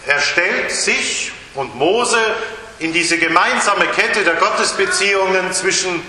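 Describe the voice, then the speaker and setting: A male pastor preaching a lively sermon at a baptism service in a church, shifting his emphasis and acting out voices in quotes. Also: high voice, slow pace. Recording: very echoey church hall, faint hiss.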